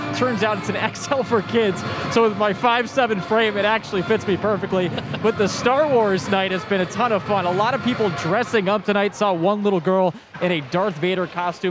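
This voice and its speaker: Music plays behind a man speaking at a fairly quick pace, his pitch high with ordinary variation. The sound is dry with no echo. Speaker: rinkside sports reporter. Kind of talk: broadcast report. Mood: light, laughing. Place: stadium. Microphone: handheld.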